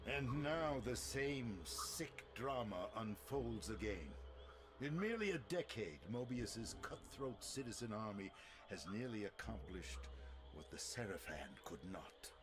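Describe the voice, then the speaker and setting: Slow, low-voiced ancient vampire elder. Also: male voice. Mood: bitter, cynical. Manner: sardonic, theatrical, bitter, grandiloquent. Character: ancient, world-weary, haughty male vampire elder. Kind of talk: video game cutscene acting.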